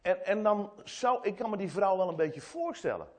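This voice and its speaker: A man giving an animated children's sermon in church, retelling a story with many restarts and asides. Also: high-pitched, moderate pace. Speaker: preacher speaking to children.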